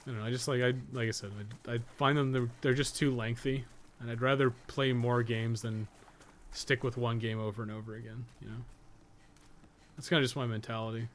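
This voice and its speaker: A man's voice: mid-range voice, flat delivery, a little fast, slight background noise. A man chatting casually as he livestreams a game, rambling, rephrasing his points and swearing casually. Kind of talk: casual chat while playing, answering viewers.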